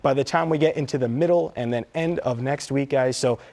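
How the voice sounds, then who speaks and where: A man's voice: medium pitch, fairly quick, darkish tone, slight background noise. An American man presenting a live weather forecast as a TV meteorologist, talking in a conversational, explanatory way.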